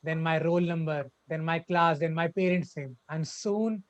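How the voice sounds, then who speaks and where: Halting young man with a stutter. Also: on the high side. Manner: halting, repeats words with a stutter. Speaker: club speaker. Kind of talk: personal story speech. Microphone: video call. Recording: dull lo-fi online call audio.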